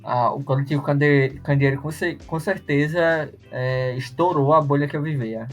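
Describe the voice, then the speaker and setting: A man co-hosting a podcast, speaking in a reflective, halting way. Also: fairly high pitch, soft background music. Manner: reflective, halting, tags with sabe. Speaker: podcast co-host. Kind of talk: casual chat.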